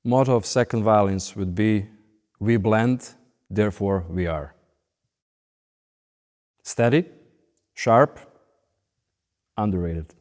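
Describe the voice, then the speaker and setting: A professional orchestral violinist from Belgrade, Serbia, in his late thirties and with a Serbian accent, answers interview questions in short, deliberate phrases. His voice is fairly low and a little mellow, carried by long reverb in a large recording hall.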